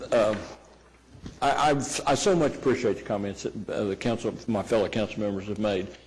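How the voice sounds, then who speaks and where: In a room with audible echo, a man talks at a fairly quick pace with a fairly low pitch, ordinary pitch variation and a somewhat breathy sound. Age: 70s. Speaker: city council member. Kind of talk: farewell remarks at council meeting. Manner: halting, repetitive starts.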